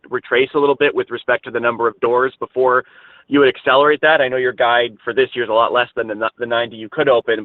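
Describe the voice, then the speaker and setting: A man's voice: medium pitch, no echo. A man, a financial analyst, asking wordy, hesitant questions on an earnings call. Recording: dry, tinny phone line.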